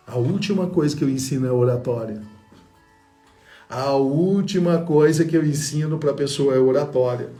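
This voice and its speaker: A man's voice: a little high, dark tone. A man with a Brazilian Portuguese accent teaching public speaking in a motivational online lesson, telling stories animatedly and acting out the people he quotes. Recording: roomy sound with music behind.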